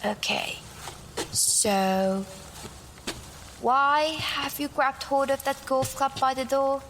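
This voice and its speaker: A woman's voice: sits high, slow, noisy background. An actress playing a dry, teasing woman snooping around in an audio drama.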